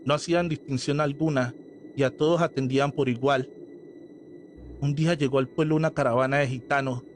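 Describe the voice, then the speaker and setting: A man reading a scripted horror story aloud as narrator, in a slow, measured storytelling manner. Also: medium pitch, fairly even intonation, slight background noise. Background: faint background music.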